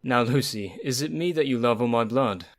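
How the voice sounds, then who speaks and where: Guy playing a young doctor, earnest and measured, dry recording. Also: mid-range voice, dry recording, natural voice. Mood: tender. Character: young male doctor, earnest, devoted lover. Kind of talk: radio play acting.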